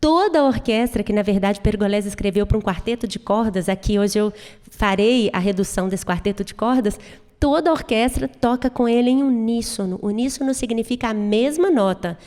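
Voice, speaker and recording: A woman explaining an opera at a university talk, animated and full of asides. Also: on the high side, a little fast. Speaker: music lecturer and pianist. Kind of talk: live lecture on an opera. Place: university auditorium. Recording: long reverb of a live hall.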